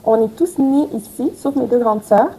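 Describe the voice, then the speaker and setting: A woman's voice: on the high side, moderate pace, dark tone, slight background noise, rough recording. A young woman who grew up in Haiti and speaks, a guest talking frankly and reflectively with many fillers. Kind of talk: casual interview talk.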